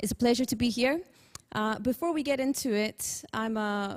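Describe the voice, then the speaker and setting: A woman speaks in a Scottish accent at a fairly high pitch. Her tone is animated, with ordinary pitch variation. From Scotland. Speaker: wellness entrepreneur and radio host. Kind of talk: conference presentation; guided breathing exercise. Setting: online forum.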